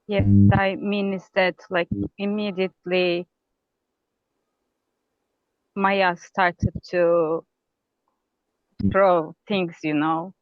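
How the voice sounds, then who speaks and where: A woman's voice: lowish voice, little pitch movement, no echo. Tired woman on a bad call line. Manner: halting, repeats words, apologetic. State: tired, exhausted. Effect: bad call connection. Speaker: caller asking a spiritual teacher. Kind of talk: hesitant questions on a call. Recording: dull, dry call line.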